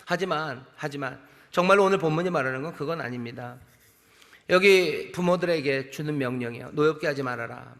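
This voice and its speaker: A man's voice: on the high side, fairly quick, fairly bright tone. Emphatic male pastor in reverberant sanctuary. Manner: emphatic, repeats key phrases, asks the congregation questions. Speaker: senior pastor. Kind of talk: sermon. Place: large church sanctuary. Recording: long reverb of a large church sanctuary.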